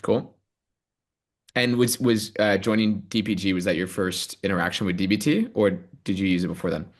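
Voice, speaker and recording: A man leading a live software demo and then interviewing a guest over a video call, talking with eager energy and many ums. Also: low-pitched, normal speed. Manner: animated, enthusiastic, many ums and rights. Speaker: product manager giving a demo and host.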